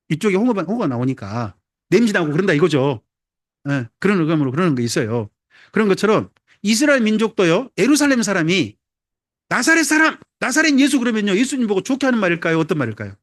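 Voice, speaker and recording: A man's voice: sits high, no echo, clean studio sound. A man, a pastor preaching a sermon in a conversational, humorous way and putting questions to the congregation. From Jeolla, South Korea.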